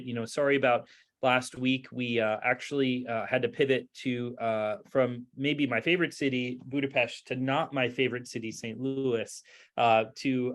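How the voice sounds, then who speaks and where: A man invited to give a lecture chats casually with his host before starting. He sounds friendly and agreeable, and stumbles over a word now and then. His voice sits at a middle pitch. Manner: friendly, quick to agree, some stammering. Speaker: guest lecturer, neurosurgeon. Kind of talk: casual chat before a talk.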